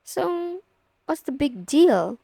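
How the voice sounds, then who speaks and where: A young woman acting out a best friend's confident older sister in an intimate audio roleplay. She teases playfully and casually, in a fairly high voice at an unhurried pace. The sound is very dry, with no room to it. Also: big pitch swings, vocal fry, dark tone, no echo, full character voice. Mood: playfully insistent. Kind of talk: intimate ASMR roleplay, spoken to the listener.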